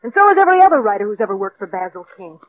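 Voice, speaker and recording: An actress playing a worried, protective young wife who pleads insistently, in a 1940s radio drama. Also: female voice, mid-range voice, big pitch swings, very fast, natural voice. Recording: dull old radio recording.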